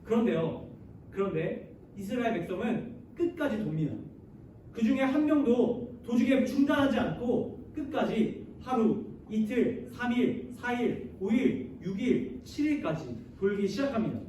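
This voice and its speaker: A man's voice: extremely high pitch, lively intonation, measured pace, dark tone, distant mic. A man preaching a sermon as youth pastor, addressing the listeners often with questions and leading them in reading scripture aloud, recorded in a large church hall. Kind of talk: sermon to high school students. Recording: very echoey hall, voice heard from afar, faint noise.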